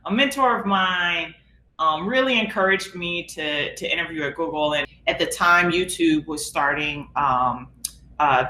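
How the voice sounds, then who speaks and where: Low-voiced woman in an echoey room. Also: pushed and bright. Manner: casual, halting with fillers. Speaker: panelist, product lead. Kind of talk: conference panel introduction. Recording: echoey room with faint noise.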